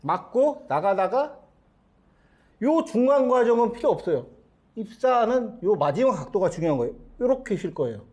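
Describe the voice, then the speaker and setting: A man's voice: high voice, sing-song, moderate pace, a little mellow. A middle-aged man teaching billiards at the table, explaining each shot step by step and asking his students questions as he goes. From South Korea. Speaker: billiards instructor. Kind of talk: demonstration lesson.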